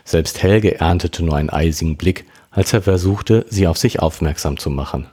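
Low, husky man reading a story. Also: normal speed. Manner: expressive, acts out all characters. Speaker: audiobook reader.

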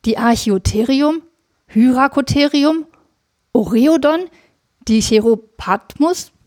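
A woman voicing a calm, formally deferential young male servant in a read-aloud story. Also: high voice, takes it slowly, voice pushed up.

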